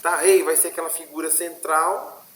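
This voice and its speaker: A man's voice: on the high side, little pitch movement, normal speed, fairly bright tone, echoey room. A Brazilian man with a Brazilian Portuguese accent, a history teacher giving an online class in an explanatory way, with many fillers and tag questions. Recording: noisy online class audio with clicks.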